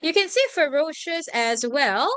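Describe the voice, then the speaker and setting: This online revision class is run by a woman tutor whose high voice moves at a measured pace, with no audible room. Speaking with a Singaporean English accent, she stays animated and keeps checking in with "right?" and "okay?" after nearly every point.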